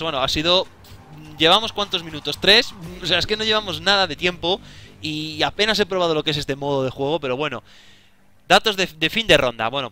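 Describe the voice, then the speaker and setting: Excitable young man. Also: a little high. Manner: excitable, talks to himself, swears and exclaims often. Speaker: gaming video creator. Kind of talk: casual gameplay commentary.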